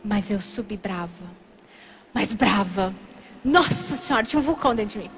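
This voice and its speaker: A Brazilian woman on a Catholic community program, sharing a personal testimony in an animated storytelling way and acting out the dialogue. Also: mid-range voice, normal speed, slight background noise. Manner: animated, acts out dialogue in shifting voices.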